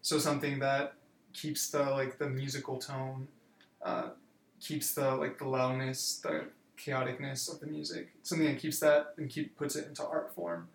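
A man in his twenties, a university student, answering interview questions in a relaxed way with many fillers. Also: medium pitch, normal speed, vocal fry, roomy sound. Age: 20s. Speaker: student guest.

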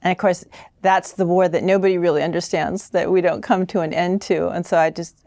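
A woman's voice: fairly low pitch, steady tone, brisk, warm tone, no echo. A woman born in Austria, a novelist guest, answering interview questions thoughtfully with many fillers and restarts. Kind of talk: conversational interview.

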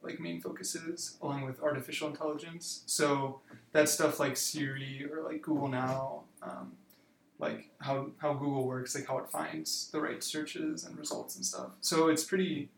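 A man in his twenties, a university student, answering interview questions in a relaxed way with many fillers. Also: a little high, normal speed, gravelly, echoey room, slight background noise, poor audio. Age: 20s. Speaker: student guest.

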